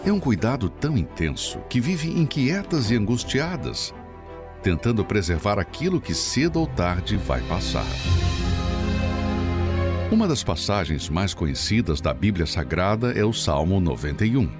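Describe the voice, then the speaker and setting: Deep, solemn male sermon narrator. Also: very animated. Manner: solemn, admonishing, dramatic pauses. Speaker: preacher narrator. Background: music.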